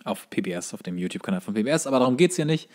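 A man's voice: lowish voice, animated, very fast, a little mellow. A man, co-hosting a comedy podcast with wry, opinionated banter and wordplay. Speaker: podcast co-host. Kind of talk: casual comic banter.

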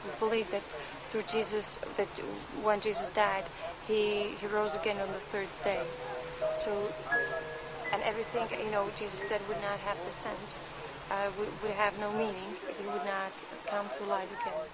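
A woman's voice: mid-range voice, level tone, normal speed. A woman guide explaining a site to visitors outdoors, hesitant, with many fillers and restarts. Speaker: pilgrimage guide. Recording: loud outdoor noise.

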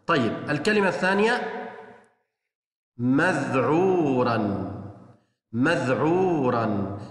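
A male teacher gives a recorded lesson to young children. He sounds out words slowly, syllable by syllable, and keeps praising the pupils. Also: a little high, fairly bright tone. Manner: slow, drawn-out syllable-by-syllable pronunciation; encouraging, praising imagined pupils. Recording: echoey room with long reverb.

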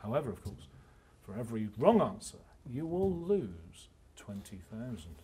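A man's voice: medium pitch, sing-song, normal speed, dark tone, breathy edge. A man playing an upbeat TV quiz show host, presenting and commentating with suspense and emphatic delivery. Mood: suspenseful. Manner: builds suspense, counts down emphatically.

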